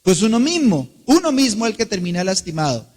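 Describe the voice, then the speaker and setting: A man with a high, voice delivers a sermon as a pastor. He leans on key words, stretching them out, and keeps turning to the congregation with quick questions. His voice carries a long reverb through a large church hall. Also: big pitch swings, a little mellow.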